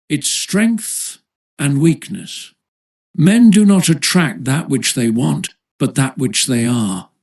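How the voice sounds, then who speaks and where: A man reading an audiobook as narrator in a measured, formal manner. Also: fairly high pitch, darkish tone.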